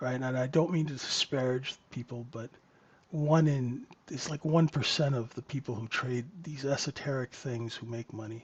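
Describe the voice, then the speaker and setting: A man talks at a moderate pace in a somewhat breathy voice of medium pitch, with fairly even intonation. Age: 50s. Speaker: day-trading mentor running a live trading room. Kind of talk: live trading commentary and teaching. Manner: talkative, lots of filler 'right?'.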